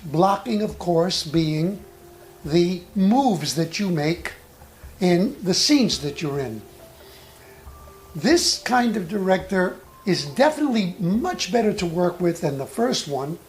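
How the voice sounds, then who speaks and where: An acting coach talks through a lesson, drawing on personal anecdotes and speaking deliberately with thoughtful pauses. The mid-range voice has a sing-song quality, and soft music plays in the background.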